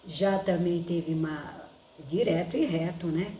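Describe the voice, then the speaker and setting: Brief: Brazilian woman, casual vlog chat, slow and mellow, lots of filler tags, echoey room. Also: on the low side, slight background noise. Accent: Brazilian Portuguese. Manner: chatty, filler-heavy with frequent "né?"; says she talks loudly. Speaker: vlogger.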